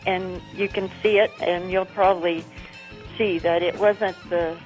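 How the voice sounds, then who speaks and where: A woman's voice: on the low side, steady tone, measured pace, a little mellow, faint music behind, poor audio. A woman in her eighties speaking as a radio guest in a plain, matter-of-fact way. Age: 80s.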